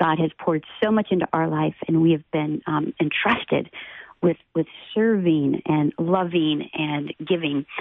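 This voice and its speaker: The speaker has an unremarkable speaking voice with very even loudness. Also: woman, fairly low pitch for a woman. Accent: American. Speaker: founder of a rest and wellness organization. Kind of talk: radio interview.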